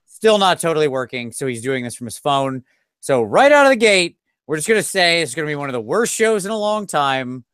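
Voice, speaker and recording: A man's voice: fairly high pitch, fairly quick, clean tone, no echo, studio quality. Tired, rambling male podcast host. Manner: rambling, animated, self-deprecating. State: tired after a long day. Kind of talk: casual chat.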